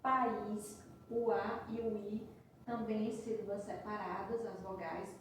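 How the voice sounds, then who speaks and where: A woman's voice: medium pitch, steady tone, slow, slight background noise. A woman teacher giving a patient recorded review lesson, explaining step by step and checking in with frequent tags. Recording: roomy echo from a distance.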